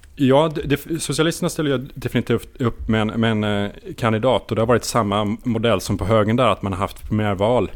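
A man with a normal speaking voice talks at a medium pitch and a fairly quick pace, with ordinary pitch variation and hardly any pauses. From France. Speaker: interest rate strategist at a bank. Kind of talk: interview.

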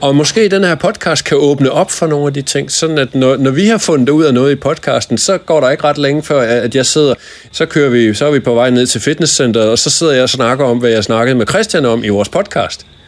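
Over noticeable background noise, a man with a fairly high pitch speaks at a fairly quick pace with hardly any pauses, very even loudness and ordinary pitch variation. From Denmark. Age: 60s. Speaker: podcast co-host. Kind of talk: casual chat.

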